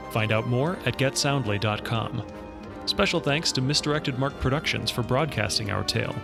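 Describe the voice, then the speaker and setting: A man reading the show's closing credits in an even, formal manner. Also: mid-range voice, gravelly. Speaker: show announcer. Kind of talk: scripted credits read. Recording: music bed underneath.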